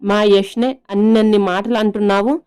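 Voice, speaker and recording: A woman's voice: mid-range voice, steady tone, normal speed, darkish tone, clear, resonant tone, lightly acted. A woman voicing a haughty, hot-tempered sister-in-law who scolds and makes demands in an audio love story. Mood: angry.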